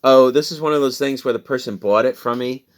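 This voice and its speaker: A man's voice: medium pitch, a little fast. A man with a Midwestern American accent, chatting casually in a rambling way about items he resold. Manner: rambling, chatty, laughs at himself. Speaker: online reseller. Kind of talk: casual sales recap chat.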